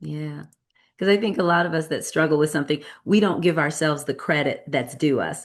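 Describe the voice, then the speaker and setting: A woman's very deep, low voice with vocal fry, a fairly quick pace and ordinary pitch variation. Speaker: show host and motivational speaker. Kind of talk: interview host questions. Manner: energetic, upbeat.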